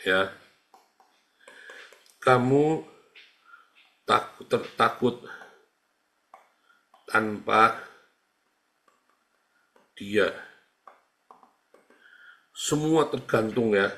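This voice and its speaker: Pastor guy chatting thru a teaching, bright edgy voice, repeats himself a lot, echoey room. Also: fairly low pitch, extremely slow, long pauses. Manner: conversational, repeats phrases, acts out quoted dialogue. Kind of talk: casual teaching talk. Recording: roomy echo.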